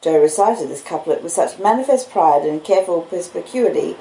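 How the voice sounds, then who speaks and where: A woman's voice: lowish voice, lively intonation, normal speed, dark tone, reverberant, slight background noise, rough recording. A woman with an Australian accent reading literary narration as an audiobook reader.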